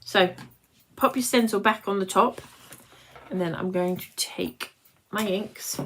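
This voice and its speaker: A late-forties British woman, nearly fifty, hosts a live craft demo in an unhurried, mid-range voice with a fairly bright tone. She chats and rambles while breaking off to speak to her viewers, and a little hiss or hum can be heard.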